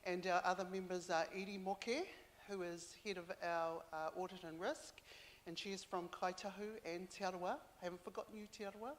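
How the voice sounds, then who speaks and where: A woman's voice: fairly low pitch, steady tone, a little hiss or hum. New woman speaking in a big hall. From New Zealand and Samoa. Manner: halting, with many fillers, mixing in Māori. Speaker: archive board member. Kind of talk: speaking at a community consultation.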